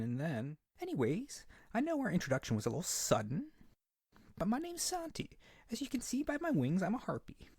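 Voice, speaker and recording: An excitable young bird-man monster , acted by a man, courting the listener in an ASMR roleplay. His pitch is mid-range but jumps around in a very animated way, with a breathy, slightly husky edge. He rambles earnestly and nervously, eager to please, in a close, dry recording. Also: no room sound, heavily acted. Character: excitable, naive, eager-to-please young male harpy suitor. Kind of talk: ASMR roleplay audio drama.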